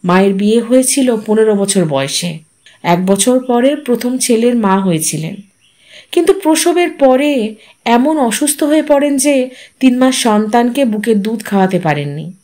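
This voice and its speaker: A woman narrating a literary story in a measured, expressive storytelling manner. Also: a little high.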